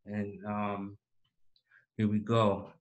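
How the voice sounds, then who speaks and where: A man's voice: lowish voice, completely flat delivery, very slow, poor audio. A man in his thirties hosting a live-streamed poetry reading from a small room, talking casually with many fillers and restarts, then reading his own poem. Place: small indoor room with banner backdrop.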